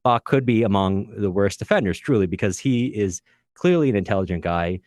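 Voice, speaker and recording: Low-voiced man, halting literary podcast talk. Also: expressive, darkish tone, no room sound, studio quality. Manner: earnest, discursive, halting with self-corrections. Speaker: podcast co-host. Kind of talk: unscripted literary discussion.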